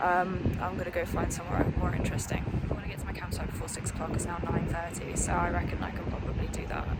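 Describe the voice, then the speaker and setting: A woman speaks at a very fast pace with hardly any pauses. Room echo is audible, and background noise is noticeable. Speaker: motorcycle travel vlogger. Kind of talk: casual vlog narration. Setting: outdoors. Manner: soft-spoken.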